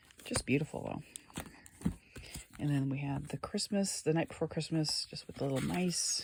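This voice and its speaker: Against noticeable background noise, a woman with a very deep, low pitch speaks at a moderate pace with ordinary pitch variation and long, frequent pauses. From Oregon, US. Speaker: book video creator. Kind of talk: casual book haul talk.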